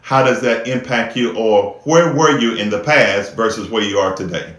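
A man's voice: on the low side, moderate pace, fairly bright tone, reverberant. A man hosting a casual conversation in an encouraging, affirming way. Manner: encouraging, frequent affirming interjections. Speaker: podcast host.

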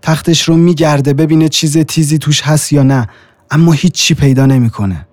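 A man's voice: on the high side, dry recording. A man reading a scripted horror story with dramatic, suspenseful delivery. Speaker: narrator. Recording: soft music bed behind the voice.

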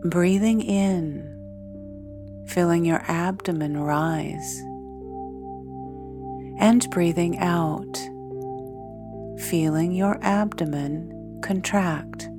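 A woman with a slightly low voice guides a meditation at a very unhurried pace. She speaks soothingly in short, measured phrases with long gaps. Clear music with singing bowl tones plays behind her. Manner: slow, soothing, measured delivery with long pauses. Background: meditation music with singing bowls.

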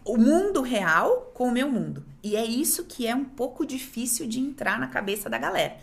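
Brazilian woman podcast host, rather high and very animated voice, quick emphatic delivery. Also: creaky. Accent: Brazilian Portuguese. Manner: expressive, emphatic storytelling. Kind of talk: casual chat.

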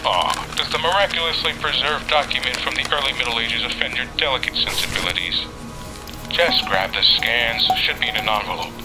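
A man playing a gruff, sardonic older treasure hunter with a dry manner in an audio drama. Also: mid-range voice, brisk, over loud music, natural voice, poor audio. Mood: dry, teasing.

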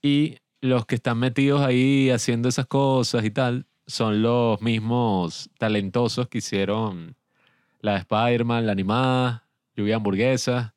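A man's voice: mid-range voice, a little mellow, clear, resonant tone, no room sound, studio quality. A man co-hosting a casual film review podcast, rambling and joking as he talks. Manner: rambling, joking, laughs often. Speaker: podcast co-host.

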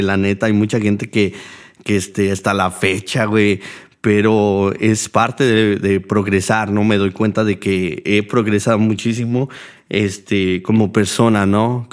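A man with a Mexican Spanish accent, hosting a podcast as a casual monologue. He rambles and swears a lot, with many fillers. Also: fairly low pitch. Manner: profane, rambling, heavy use of fillers. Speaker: podcast host.

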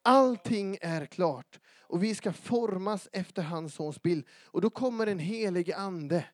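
Male preacher, high voice, dry close sound; lively sermon delivery with repeated emphatic lines and playful asides. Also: no echo. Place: church hall.

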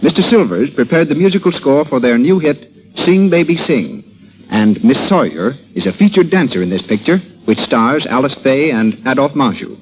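A man giving formal announcements on an old 1930s radio broadcast, in a crisp, measured delivery. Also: mid-range voice, big pitch swings, muffled recording. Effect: old 1930s radio broadcast sound.

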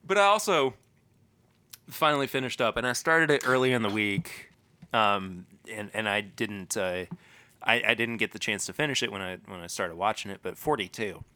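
A man co-hosting a casual podcast, enthusiastic and quick to restart his sentences. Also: lowish voice, pushed and bright. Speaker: podcast co-host. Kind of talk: casual chat.

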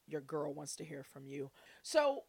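Playful woman podcaster, lower-pitched and close. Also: big pitch swings, a little slow, vocal fry, darkish tone, slightly rough, dry recording. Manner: exuberant, playful, chummy direct address to listeners. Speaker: podcast host. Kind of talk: casual solo podcast chat.

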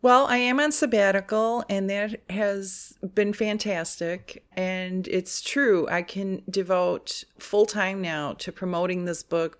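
Woman, earnest author, low-ish voice. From Chicago, USA. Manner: earnest, heartfelt. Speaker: author and teacher. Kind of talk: interview answers.

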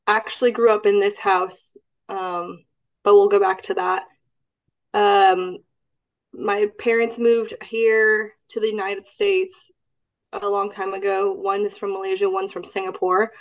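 A young woman from Texas who grew up speaking Cantonese talks about her past. She answers steadily, pausing and correcting details as she recalls them, at a middle pitch. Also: little pitch movement, poor audio. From Austin, Texas. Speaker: guest. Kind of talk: casual podcast interview.

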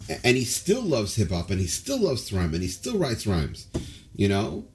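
A man's voice: fairly low pitch, wildly swooping pitch, normal speed, a little mellow, soft background music. A man co-hosting a casual podcast, talking at length with strong opinions and lots of fillers. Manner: rambling, opinionated, many fillers. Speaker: podcast co-host. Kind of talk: casual chat.

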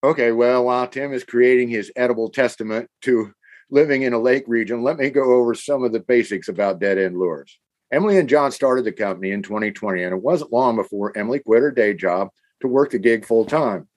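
A man's voice: mid-range voice, a little fast. An enthusiastic man from the American Midwest, co-hosting a casual scripted chat. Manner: enthusiastic, animated. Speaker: podcast co-host.

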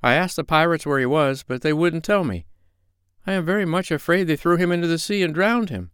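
A man voicing a frightened, polite little boy in a storybook, in a high, childlike, pleading voice. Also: fairly quick, a bit bright, clean tone, no room sound, clean studio sound, natural voice. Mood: earnest, worried.

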